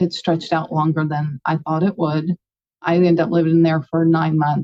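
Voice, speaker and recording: This woman has an ordinary speaking voice, pitched fairly low. She talks at a moderate pace with fairly even intonation. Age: 60s. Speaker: massage therapist. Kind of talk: interview.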